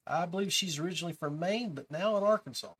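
A man's voice: high voice, fast talker, fairly bright tone, breathy edge. A man hosting a fishing podcast, talking to listeners in a casual, upbeat way. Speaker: podcast host.

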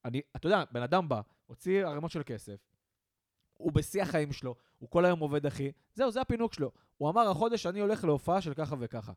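Animated young man ranting in casual chat. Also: a little high, no room sound, studio quality. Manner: animated ranting, acts out quotes. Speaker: podcast co-host.

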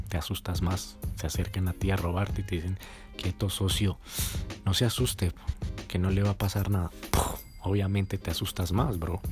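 A man giving dating advice in a casual monologue, animated, acting out voices and swearing. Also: low-pitched. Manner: animated, acts out voices, swears, sound effects like "pum". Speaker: dating coach podcaster.

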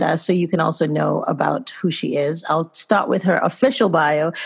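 Woman, Nigerian accent, podcast host, enthusiastic, effusive, lowish voice. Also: husky. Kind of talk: podcast interview hosting.

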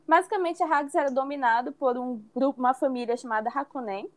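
A high-pitched young woman hosts a casual podcast chat. She laughs easily and walks through stories in a relaxed, chatty way. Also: fast. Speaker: podcast host.

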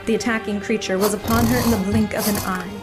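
A woman's voice: medium pitch, steady tone, fast talker. Suspenseful woman narrator over music. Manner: suspenseful, vivid storytelling. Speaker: game master and narrator. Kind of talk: dramatic horror fantasy narration. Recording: music bed under voice.

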